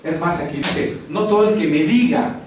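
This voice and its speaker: A man's voice: sits high, moderate pace, crowd noise. A male pastor preaching a sermon in a conversational way, with frequent rhetorical questions. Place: church hall. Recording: echoey hall, far from the mic.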